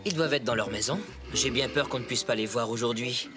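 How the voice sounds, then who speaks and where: A man's voice: medium pitch, brisk, music in the background, close to an everyday voice. A man voicing an easygoing, kindly father of a small boy in a children's cartoon. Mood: reassuring.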